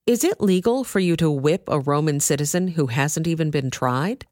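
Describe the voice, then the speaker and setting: A woman's voice: deep voice, animated, normal speed, darkish tone, no echo, studio quality. A woman reading the words of a bold, defiant male apostle in a scripture reading.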